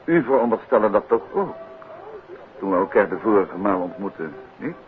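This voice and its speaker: An actor in a 1950s radio drama playing a calm, courteous amateur detective who talks in a measured, affable way. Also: male voice, on the low side, phone-quality sound. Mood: grave, composed. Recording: old thin band-limited radio recording.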